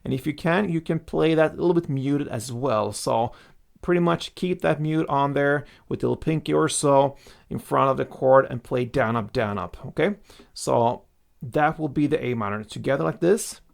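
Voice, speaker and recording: Speaking in a mid-range, creaky voice at a moderate pace, a guitar teacher gives easygoing step-by-step instruction. He counts strumming strokes as he plays, with acoustic guitar audible behind him.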